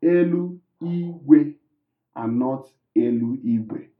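A man whose first language is Igbo, patiently explaining words and tones in a casual language lesson, often pausing with um and uh. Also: medium pitch, roomy sound, narrow, tinny audio. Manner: explains patiently with many ums and restarts.

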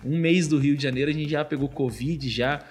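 A young man with a Brazilian accent, telling a personal faith story in casual chat and peppering his talk with "cara". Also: on the high side. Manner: fast, fills speech with "cara". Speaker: guest. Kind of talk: casual testimony.

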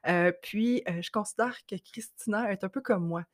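A woman's voice: mid-range voice, moderate pace, no echo, clean studio sound. A woman with a Quebec French accent hosting a podcast interview, talking in an effusive, enthusiastic way. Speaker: podcast host.

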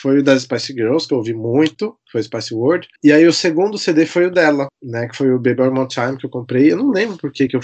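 A man's voice: mid-range voice, expressive, a little fast, few pauses, darkish tone. A man in his thirties with a São Paulo Brazilian accent, talking casually and playfully as a podcast guest. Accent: São Paulo Brazilian Portuguese. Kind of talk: casual conversational storytelling.

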